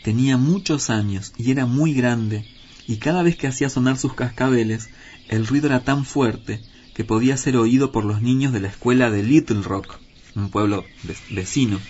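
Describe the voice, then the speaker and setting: A man reading a children's story aloud in a measured, expressive way. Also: mid-range voice. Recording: dull lo-fi with faint hiss.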